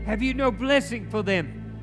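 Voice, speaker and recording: A man's voice: high-pitched, unhurried. A man playing a frightened, humbled old miser in a live radio play, earnest and pleading in a theatrical manner. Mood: appalled pleading. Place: theatre stage before live audience. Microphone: shared stage microphone. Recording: stage recording with loud music behind.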